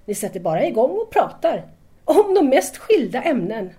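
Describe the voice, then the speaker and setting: A woman's voice: high voice, sing-song, mellow. A woman acting in an audio drama as a shy, admiring young female student who doubts herself and speaks hesitantly and deferentially.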